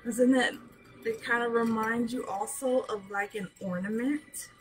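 A middle-aged woman with a hoarse voice, chatting casually as she shows jewelry to a webcam in a small room. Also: fairly high pitch, steady tone, faint music behind, poor audio. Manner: chatty, slow, showing items up close. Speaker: jewelry seller. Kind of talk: live sales show chat. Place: small decorated room indoors. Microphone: webcam at arm's length.

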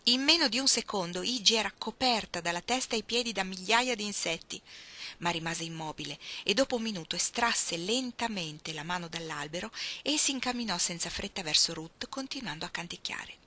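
Woman reader, expressive audiobook narration, bright clear tone. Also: medium pitch, fairly quick. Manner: expressive storytelling. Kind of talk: audiobook reading of a novel.

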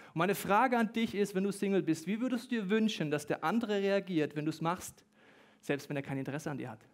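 A young adult man preaching a sermon as pastor, lively and joking, sometimes talking faster than he thinks. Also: sits high. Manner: lively, joking, talks fast at times.

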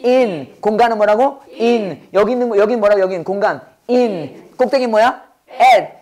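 A slightly mellow, mid-range voice with a hoarse edge belongs to an English teacher leading a quick call-and-response drill, where the students echo each repeated prompt.

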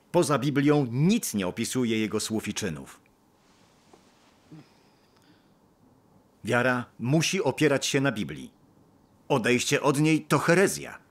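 A scheming middle-aged church elder in a dubbed drama, reassuring and persuasive, with a lively, rising and falling delivery. His voice sits at an ordinary pitch for a man. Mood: preaching. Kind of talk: Polish dubbing of a film. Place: outdoors in a park, then indoors at a church meeting.

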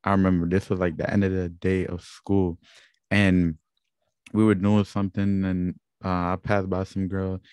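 A young man with a Guyanese accent talks through his own story in an earnest, reflective way, often stopping on fillers. His voice sits very low and moves little in pitch. The sound is dry and close. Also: level tone, moderate pace, a little mellow, clean tone, dry recording. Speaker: channel host. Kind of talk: personal testimony vlog.

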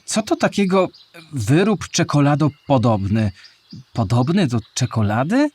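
A man's voice: a little high, big pitch swings, a little slow, darkish tone, slightly rough, no echo, heavily acted. A man playing a curious, naive young male listener who asks questions in a scripted children's audio play. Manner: inquisitive, naive.

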